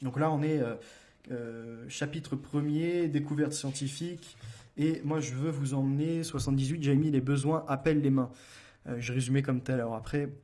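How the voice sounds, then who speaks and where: Argumentative man with a mellow voice. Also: mid-range voice, fairly even intonation, fairly quick. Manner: argumentative, addresses listeners directly with rhetorical questions; frequent hesitations and restarts. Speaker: host of a commentary show. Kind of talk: solo political commentary, reading book passages aloud.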